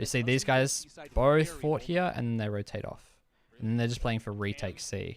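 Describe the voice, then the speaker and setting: A man with an Australian accent talks at medium pitch and with ordinary pitch variation, the recording very clean and the background silent. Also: moderate pace. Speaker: esports analyst, former pro coach. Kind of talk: live stream co-stream commentary. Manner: casual, conversational.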